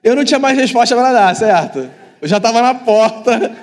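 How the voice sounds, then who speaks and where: A man in his thirties from Brazil, preaching a sermon and telling a family story with animated delivery. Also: extremely high pitch, moderate pace. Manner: animated storytelling, acts out voices. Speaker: pastor.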